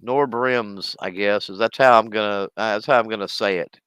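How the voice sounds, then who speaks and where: East Texan man, podcast co-host, smooth and resonant, dry close sound, rambling chat. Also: on the low side, normal speed, a bit bright, no room sound, low-quality recording. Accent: East Texas. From East Texas. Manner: rambling, self-correcting, spells out names. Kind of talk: casual chat.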